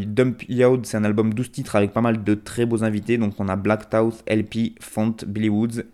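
A man's voice: fairly low pitch, a little mellow. A man hosting a music radio show, presenting tracks in an informal, self-deprecating way.

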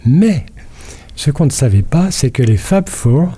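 Older french guy doing a culture bit on local radio, mellow voice, playful storyteller. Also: medium pitch, sing-song, normal speed, breathy edge. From France. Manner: playful storytelling, quizzing the host. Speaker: culture columnist. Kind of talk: radio chronicle, partly read.

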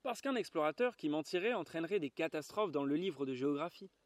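A man voicing an old male geographer, a self-important scholar, in a measured way, in a dry recording. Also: fairly high pitch, animated, no room sound, close to an everyday voice. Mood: lofty.

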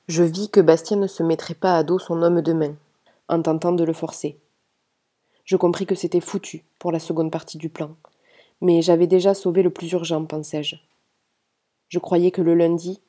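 Woman reading a novel in a low mellow voice. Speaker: audiobook reader. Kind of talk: first-person novel narration.

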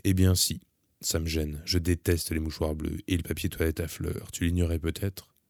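A man's voice: very deep voice, flat delivery, moderate pace, vocal fry, darkish tone, no echo, studio quality. A man reading the lines of a weary, irritable young wife, curt and reproachful. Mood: irritated.

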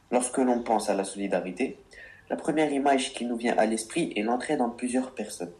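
Medium in pitch and somewhat dark in tone, this man co-hosts a radio show on words. He delivers earnest explanations and answers teasing with pretend annoyance.

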